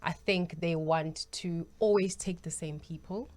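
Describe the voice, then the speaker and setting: A woman's voice: fairly low pitch, steady tone, unhurried, a little mellow. A South African woman giving her opinion as a guest in a casual panel discussion.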